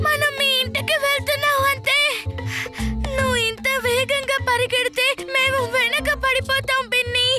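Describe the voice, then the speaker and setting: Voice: very high-pitched, little pitch movement, normal speed, loud music behind the voice. An actor voicing an eager, playful little child in a children's cartoon, speaking in a childlike way. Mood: cheerful. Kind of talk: animated children's cartoon acting.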